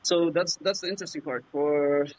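A man from Jordan whose first language is Arabic, answering interview questions in a halting way, with many fillers and restarts. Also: fairly high pitch, steady tone. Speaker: startup founder, guest. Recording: muffled lo-fi remote audio.

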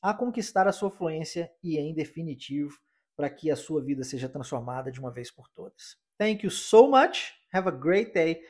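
A Brazilian man hosting a podcast English lesson, explaining in Portuguese and slowly repeating English phrases to practise. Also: on the high side, darkish tone. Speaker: English teacher and podcast host.

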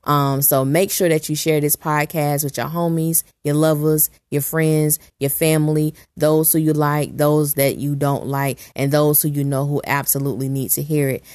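A woman hosting her own podcast, talking in an earnest, encouraging way with a naturally raspy voice made deeper and rougher by a coming cold. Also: level tone, moderate pace, few pauses, a little mellow, dry recording, studio quality. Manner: earnest, preachy encouragement with prayers. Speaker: podcast host. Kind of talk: motivational solo podcast talk.

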